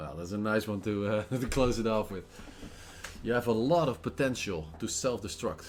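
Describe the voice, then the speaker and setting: Using a non-native accent, a man speaks at a moderate pace with a fairly low pitch and lively intonation. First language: not English. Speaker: numerology video host. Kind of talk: casual explanatory monologue. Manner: halting, many fillers.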